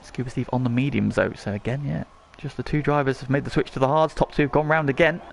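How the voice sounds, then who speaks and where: A man's voice: mid-range voice, steady tone, fast, vocal fry, a little hiss or hum. A man working as lead motorsport commentator on a race, calling the action in short present-tense phrases.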